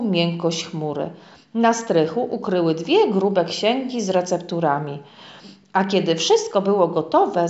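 A woman reading a children's story aloud in a gentle, lively storytelling manner. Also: lowish voice. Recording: echoey, dull lo-fi room.

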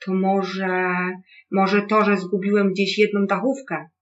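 A reader doing a gentle, lonely little house. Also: mid-range voice, little pitch movement, takes it slowly, roomy sound, distant mic, dull audio, slight background noise, close to an everyday voice. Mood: wondering. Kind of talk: storybook read-aloud.

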